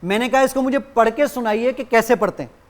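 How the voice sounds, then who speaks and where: A man appearing as a guest on a TV show, demonstrating his app in lively detail and acting out both sides of his exchanges with it. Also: very high-pitched. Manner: animated explainer who acts out exchanges with the app.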